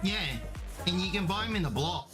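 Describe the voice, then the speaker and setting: A man's voice: high voice, expressive, moderate pace, over music. A man with an Australian accent hosting a stream watch party, chatting casually and drawing giveaway winners. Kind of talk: casual chat. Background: tournament broadcast playing.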